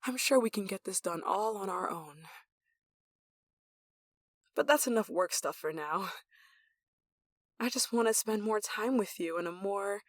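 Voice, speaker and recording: A woman's voice: medium pitch, no echo. Woman acting an obsessive, possessive yandere lover, close-up. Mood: intimate, seductive. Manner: breathy sighs and chuckles, dropping to whispers. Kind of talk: intimate ASMR roleplay acting.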